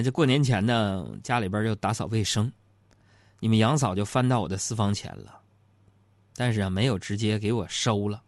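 In a fairly low-pitched voice with no echo, a middle-aged man hosts a humorous radio-style talk show. He's a joking, teasing storyteller, chatting about the funny side of his married life.

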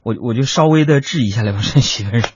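A man telling a comic story, chatty and animated, talking to his listeners as friends. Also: mid-range voice, rapid-fire, breathy edge, no room sound. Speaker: comedian. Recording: dry lo-fi recording.

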